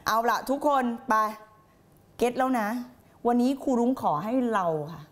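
A woman's voice: on the high side, moderate pace. A woman life coach on a late-night motivational live stream, blunt and crude with heavy slang, fiery and intense as she answers viewers. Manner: fiery and intense, reads viewer comments aloud.

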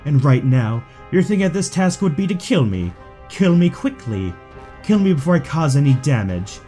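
A man's voice: a little high, sing-song, moderate pace, warm tone, faint music behind. A man playing a suave, theatrical villain in an audio drama, taunting his rival with mock affection. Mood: smug, menacing. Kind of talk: fan audio drama acting.

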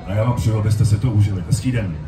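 A man's voice: lowish voice, crowd noise. A middle-aged man giving a short anecdotal speech from an open-air festival stage. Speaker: festival speaker. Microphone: stand mic through PA, recorded from audience. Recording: noisy, echoey stage PA from far off.

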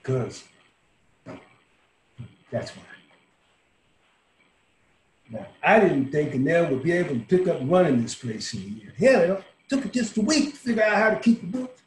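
A man's voice: a little high, big pitch swings, normal speed, pauses often. An actor in his sixties playing a dying, world-weary old bar owner in a folksy, salty, intimate dramatic monologue. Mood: fond, resigned. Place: small room at home, indoors. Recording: roomy home webcam audio, faint hiss.

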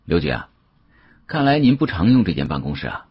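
A man voicing a sharp, cautious young antique dealer in an audiobook, deferential and quick-witted as he explains. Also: deep voice, very animated, slightly rough, no echo, lo-fi sound, exaggerated voice. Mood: confident, polite.

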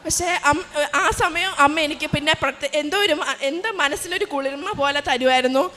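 A woman's voice: high-pitched, brisk, pushed and bright, slight background noise. A young woman, a nursing student, giving an earnest and emotional personal religious testimony. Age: young adult. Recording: long hall reverb.

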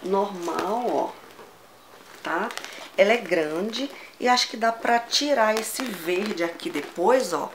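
A Brazilian woman vlogging a casual shopping haul, gushing and excitable, repeating words as she shows each item. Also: medium pitch, takes it slowly, a little hiss or hum, rough recording. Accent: Brazilian Portuguese. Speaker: fashion vlogger.

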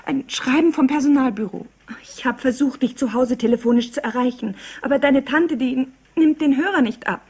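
An actress playing an anxious, bewildered office secretary in a German crime radio play, plaintive and breathy. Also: female voice, sits high, normal speed, a little mellow. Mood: upset, bewildered.

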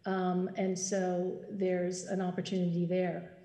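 A woman panelist answering in an executive panel discussion on a conference stage, measured and full of um and uh fillers. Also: fairly low pitch, completely flat delivery, warm tone. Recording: roomy hall sound.

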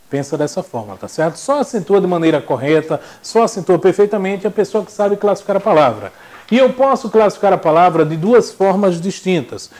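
A young man teaching a classroom lecture, joking and acting out little voices. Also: high voice. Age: young adult. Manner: jokey and animated, acts out voices.

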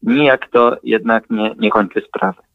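A man's voice: medium pitch, sing-song, a little slow, gravelly, no room sound. Hesitant man on a tinny phone line. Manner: hesitant, many fillers and restarts. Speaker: guest mathematician and analyst. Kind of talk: radio interview over the phone.

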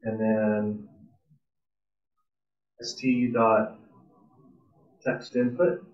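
A man's voice: lowish voice, little pitch movement, extremely slow, a little mellow, faint music behind. Distant, echoey man teaching coding informally. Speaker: presenter at a robotics club meetup. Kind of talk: informal live coding tutorial. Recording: distant, roomy, muffled meeting-room sound.

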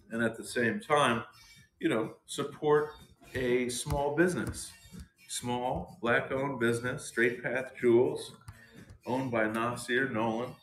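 A man in his thirties, hosting a casual product showcase of hip-hop jewelry and toys, talking with excited, slangy enthusiasm. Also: medium pitch, reverberant, rough recording. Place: small indoor room with shelves and posters.

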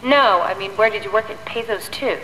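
A woman's voice: medium pitch, fairly quick, sharp tone, natural voice. An actress playing a composed, inquisitive woman survivor in a video game, talking in a matter-of-fact, questioning way. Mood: calm, curious. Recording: echoey intercom in large hall, faint noise.

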